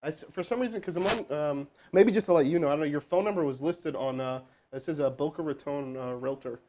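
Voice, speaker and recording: Hosting a live stream indoors with crew present, a sales trainer coaches cold calls with fired-up, casual energy. His voice sits slightly high, and he talks quickly and loosely, pumping up viewers between calls and dropping chatty asides.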